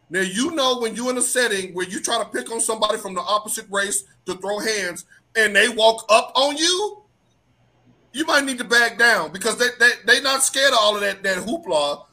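A man hosting a casual sports talk show, animated and joking, sometimes dropping his voice low for comic effect. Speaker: host.

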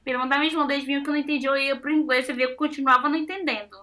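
A young Brazilian woman chatting casually, telling stories with animated, self-mocking exclamations. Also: sits high, very fast. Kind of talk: casual chat.

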